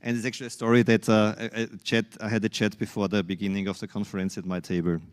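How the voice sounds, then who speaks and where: A man from Austria with an Austrian accent giving a conference keynote, halting with many fillers and restarts, and wry self-deprecating humor. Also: lowish voice, flat delivery. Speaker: keynote speaker.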